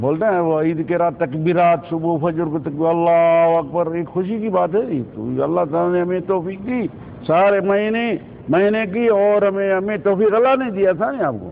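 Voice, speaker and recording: Amid noticeable background noise, a man with a high pitch speaks with ordinary pitch variation. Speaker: Islamic scholar and Quran reciter. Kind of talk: religious lecture.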